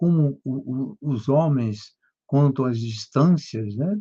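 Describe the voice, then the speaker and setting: A man's somewhat breathy voice at a very slow pace, full of very wide pitch swings. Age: 70s. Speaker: spiritist lecturer. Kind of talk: lecture. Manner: halting.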